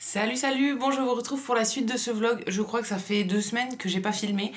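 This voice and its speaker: A woman's voice: fairly high pitch, fairly even intonation, fairly quick. A woman vlogger who has just woken up, chatting casually with a tired morning voice. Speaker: beauty vlogger. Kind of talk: casual vlog chat.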